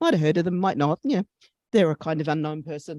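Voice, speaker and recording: A slight New Zealand accent on a very clean recording with a silent background. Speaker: panelist, business analyst and podcaster. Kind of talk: panel discussion.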